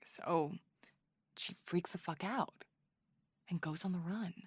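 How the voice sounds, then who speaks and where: A woman's voice: on the low side, slow, slightly rough, dry recording, clean studio sound. A woman playing a blunt, teasing podcast co-host in an audio drama. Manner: teasing, matter-of-fact. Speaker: true-crime podcast co-host.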